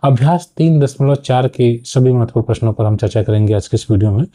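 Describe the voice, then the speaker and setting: A man's voice: mid-range voice, fast talker, warm tone. A man teaching an exam-prep lesson, explaining step by step and often checking in with "okay". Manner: explanatory, frequent "ठीक है" checks.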